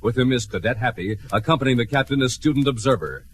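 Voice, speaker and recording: A man's voice: mid-range voice, fast talker, a little hiss or hum. A man narrating a classic radio adventure serial in a grandiose, dramatic style. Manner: grandiose, theatrical. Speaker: announcer and narrator. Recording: old radio broadcast, faint music.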